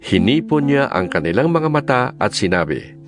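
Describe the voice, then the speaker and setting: Guy narrating an audio bible, mid pitch, really animated, music playing behind. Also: normal speed. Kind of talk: dramatized scripted scripture narration.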